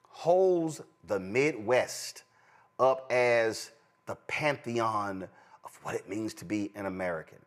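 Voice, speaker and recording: A man with a Texan accent hosting political commentary, emphatic, jumping between high exclamations and low asides. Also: a bit bright. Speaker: host.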